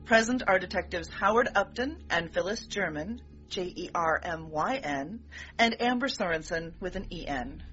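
A woman voicing a calm female police detective in an audio drama, measured and patient. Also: fairly low pitch, soft background music. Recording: dull lo-fi sound.

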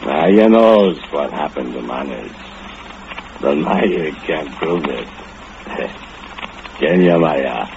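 An actor playing a brooding, murderous foundry laborer who speaks broken English with menacing low chuckles, in old radio drama style. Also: male voice, animated, slow pace, vocal fry, long pauses, noisy background, heavily acted. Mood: mocking. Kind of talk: 1940s radio acting. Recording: dull old radio recording with loud music.

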